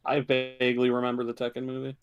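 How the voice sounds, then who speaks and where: Male podcast co-host, creaky mid-pitched voice, laid-back, hesitant, casual conversational delivery. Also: monotone, quick pace, highs cut off, soft background music. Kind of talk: casual chat.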